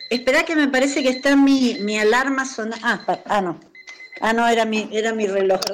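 Noticeable background noise behind a moderate tempo and ordinary pitch variation. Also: woman, fairly high pitch for a woman. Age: 60s. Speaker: dancer and choreographer. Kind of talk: interview.

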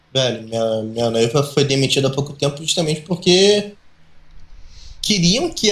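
A man with a normal speaking voice talks at a moderate pace with lively intonation. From Rio de Janeiro, Brazil. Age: 30s. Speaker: Twitch streamer. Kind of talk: casual chat.

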